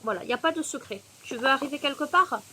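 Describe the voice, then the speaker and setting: A woman's voice: high-pitched, quick pace. A woman from Marseille with a southern French accent, chatting casually to the viewer while giving a tarot reading outdoors on a terrace. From Marseille, southern France. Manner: chatty, laughs often, addresses viewer directly. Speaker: tarot reader. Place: outdoor terrace on a windy day. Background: faint wind noise.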